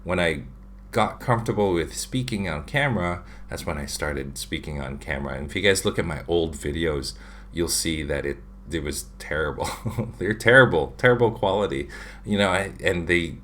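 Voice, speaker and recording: A man's voice: low-pitched, animated, moderate pace, fairly bright tone, slight background noise. A man in his thirties from the Philippines, hosting a casual livestream from his home room and answering viewer questions with lots of fillers. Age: 30s. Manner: chatty, reads viewer questions aloud with many fillers. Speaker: livestream host, drawing channel. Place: home room with shelves of figures. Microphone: webcam at desk.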